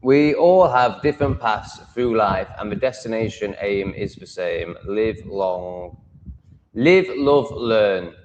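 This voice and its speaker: A man's voice: on the low side, slow, darkish tone, highs cut off. A man hosting a livestream in a blunt, profane, mocking manner. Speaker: livestream host. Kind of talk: casual livestream rant. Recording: long reverb, faint noise.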